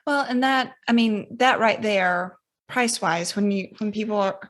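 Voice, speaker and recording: A woman's voice: mid-range voice, normal speed. A woman hosting an interview, talking casually and backing the guest with frequent affirmations. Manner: conversational, affirming, frequent mm-hmms. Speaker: interview host.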